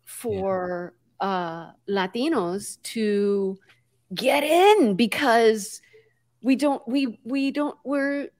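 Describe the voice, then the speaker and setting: A middle-aged woman, Puerto Rican by family but US-raised, talks very slowly in a slightly high voice with a darkish tone. As a guest storyteller she's expressive and animated, acting out quotes and mixing Spanish words into her speech.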